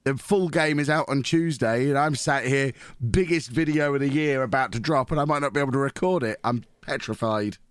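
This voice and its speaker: A man hosting a casual podcast, his voice hoarse and nearly gone, teasing his co-hosts cheekily. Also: mid-range voice, brisk, few pauses, dry recording, studio quality. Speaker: podcast host. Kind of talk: casual chat.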